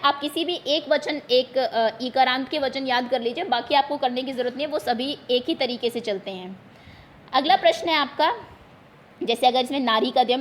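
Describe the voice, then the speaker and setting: High-voiced woman teacher explaining answers. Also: slight background noise. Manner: patient, repeats each term in Hindi.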